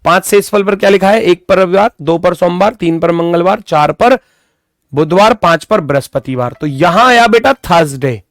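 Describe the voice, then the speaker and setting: A young man runs an exam-prep reasoning lecture. He counts through each calculation aloud and turns sharply sarcastic toward doubting students. His voice sits high, recorded close and dry with no room echo. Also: moderate pace. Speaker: reasoning teacher.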